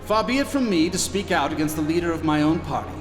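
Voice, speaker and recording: Defence secretary male actor, rapid, pointed, disapproving, formal, echoing hall with music, audio drama. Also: a little high, lively intonation, close to an everyday voice. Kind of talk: sci-fi audio drama parliamentary speech. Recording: echoey hall, music behind.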